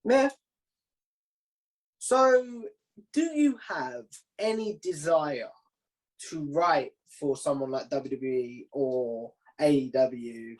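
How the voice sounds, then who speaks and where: A man's voice: a little high, animated, slow pace, poor audio. A man hosting a casual interview in an informal, chatty way. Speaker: podcast interviewer and host.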